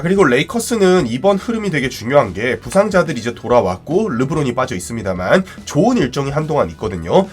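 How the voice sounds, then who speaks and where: A man with a stuffy, cold-affected voice giving explanatory, analytical sports commentary over basketball highlights as the host. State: has a cold, congested stuffy voice.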